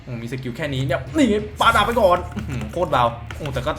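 A man's voice: a little high, big pitch swings, fast, pushed and bright, faint music behind. A man giving casual, crude and joking commentary while playing a mobile game, reading its dialogue aloud. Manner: crude, profane, joking banter. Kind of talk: casual let's-play commentary.

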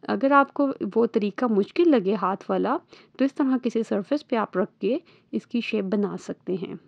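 A woman's voice: mid-range voice, normal speed, creaky, no echo, lo-fi sound. Woman, Lahori accent, patient step-by-step cooking host, close dry voice-over. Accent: Lahori Urdu-Punjabi. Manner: patient step-by-step instructing, often checking in with listeners. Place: voice-over recorded apart from the kitchen footage.

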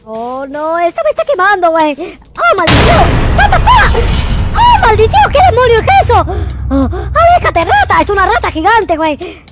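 A man voicing a silly, childish, excitable noob boy from a Minecraft roleplay, with goofy, exaggerated delivery. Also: very high voice, heavy background noise, full character voice. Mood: alarmed. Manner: exaggerated, goofy, dramatic, drawn-out exclamations. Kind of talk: roleplay gameplay commentary.

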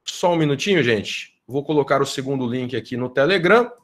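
A man's voice: mid-range voice, lively intonation, fairly quick, fairly bright tone. A man with a Brazilian Portuguese accent, a law professor, gives an informal, effusive address to students in an online meeting, often tagging his sentences with "né?", heard over a video call. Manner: effusive, grateful, tags sentences with "né?". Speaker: law professor leading a research group.

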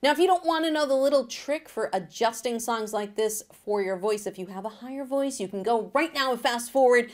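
A woman's voice: a little high, a little fast, hardly any pauses. Upbeat alto woman teaching guitar. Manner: upbeat, encouraging, talks straight to camera. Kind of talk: guitar lesson, talking and singing along. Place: home studio room, indoors. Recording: acoustic guitar playing under the voice.

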